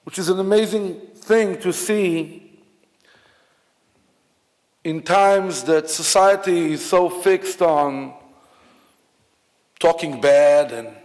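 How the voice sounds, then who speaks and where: A man from Israel with an Israeli accent, giving a memorial eulogy in a halting, reflective way with many fillers and restarts. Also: fairly high pitch, a little mellow. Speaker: officiant at a memorial service. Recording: long hall reverb.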